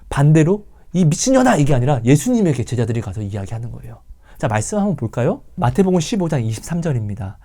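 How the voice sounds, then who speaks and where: A man with a fairly high-pitched voice delivers a sermon and testimony emotionally and dramatically, swinging from loud calls to hushed whispers and asking his listeners rhetorical questions.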